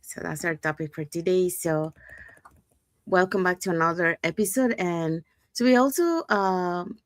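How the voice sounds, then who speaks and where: A woman's voice: on the low side, measured pace, no room sound, clean studio sound. A woman from Panama, co-hosting a show and inviting viewers in an upbeat, repeating way. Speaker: co-host. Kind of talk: scripted show promotion.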